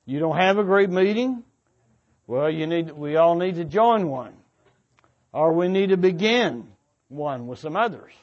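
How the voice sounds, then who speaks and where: A man with a fairly high voice speaks as a church preacher, urging his listeners on in an earnest way. His delivery is a little halting, with phrases restated as he goes. The recording sounds slightly dull and muffled. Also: lively intonation. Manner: earnest, exhorting. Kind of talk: sermon-like exhortation to a congregation. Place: church meeting before a congregation.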